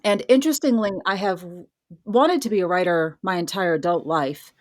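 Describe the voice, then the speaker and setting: A woman's voice: fairly low pitch, moderate pace, no room sound. Middle-aged woman, dry close recording. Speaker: podcast guest, horror writer and college professor. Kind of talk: casual interview storytelling.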